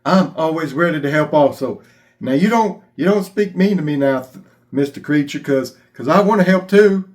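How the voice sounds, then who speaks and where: A man's voice: a little high, animated, normal speed, pitched above the performer's own voice, close to an everyday voice. Man doing a dopey Southern monkey puppet. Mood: eager, pleading. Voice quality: slightly dopey tone. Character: mild, eager-to-help, slightly dopey male monkey puppet.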